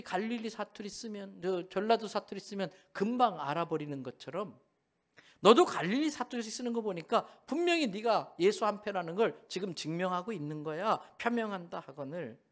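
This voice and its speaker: A male pastor preaching in a church sanctuary, with a high voice that swoops up and down a lot. He tells the story vividly and keeps quizzing the congregation. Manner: animated storytelling, asks the congregation questions. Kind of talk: sermon.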